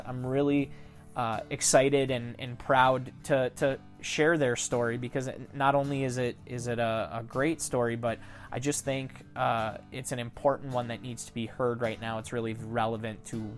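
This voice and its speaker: A podcast host from Michigan's Upper Peninsula runs a casual interview show, talking in a relaxed, rambling way full of restarts. His voice is mid-range.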